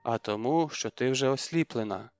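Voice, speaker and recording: A man reading an audiobook voices a dolphin from a dream that turns cruel and taunting, with a mocking, unhurried delivery. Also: medium pitch, dry recording, lo-fi sound, close to an everyday voice.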